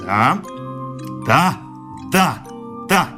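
An actor playing an anguished, idealistic young husband in a radio drama, impassioned and pleading, stammering and repeating himself. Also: male voice, on the high side, expressive, drawn-out words, heavily acted. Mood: bitterly resigned. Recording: studio radio play with loud music. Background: music.

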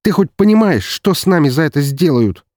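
A man voicing a young man's furious, exasperated older brother who yells down a phone in an audiobook. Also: on the high side, wildly swooping pitch, a little fast, dry recording, clean studio sound, pitched above the performer's own voice. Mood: furious shouting. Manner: yelling, exasperated.

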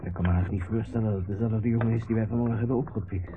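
An actor playing an irritable, overstrained middle-aged factory owner in a radio play, curt, dismissive and sometimes hesitant. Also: male voice, lowish voice, fairly even intonation, racing, natural voice. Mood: dismissive, wry. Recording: dull, hissy old radio play recording.

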